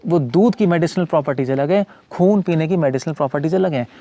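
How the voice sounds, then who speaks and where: A man's voice: fairly high pitch, fast, dark tone, no echo, dull audio. A man, a monk who was once a medical doctor, giving a casual explanatory talk in a conversational way, often repeating words and restarting, and mixing English terms in. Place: cow shelter owner speaking from his farm community.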